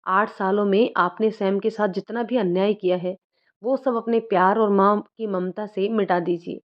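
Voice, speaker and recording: A woman's voice: medium pitch, fairly even intonation, moderate pace, natural voice. A woman voicing an earnest young woman who gives persuasive counsel, read as a storybook role. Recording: dull lo-fi recording.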